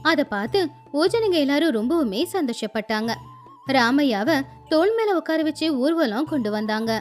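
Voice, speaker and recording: A woman narrating a children's moral story in a lively, sing-song storytelling manner. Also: sits high, moderate pace. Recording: faint music behind.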